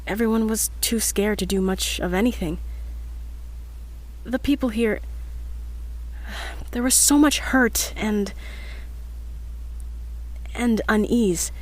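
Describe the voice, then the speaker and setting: A woman's voice: mid-range voice, slow pace, long pauses, rough recording. A woman playing an earnest, determined young scientist in an audio drama, speaking in a reflective, slightly hesitant confessional log. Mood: somber, reflective.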